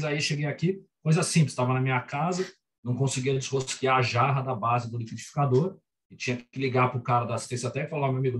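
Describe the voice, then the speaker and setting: A Brazilian doctor in casual chat, telling stories animatedly and acting out his own quotes, over a video call. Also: mid-range voice. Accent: Brazilian Portuguese. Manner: animated, quick storytelling with acted-out quotes. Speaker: guest doctor working abroad.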